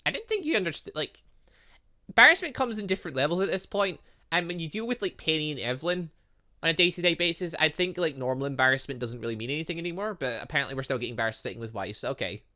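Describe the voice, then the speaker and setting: A person giving casual let's play commentary on a game, rambling and thinking out loud as they go. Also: medium pitch, lively intonation, fast. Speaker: gaming video host.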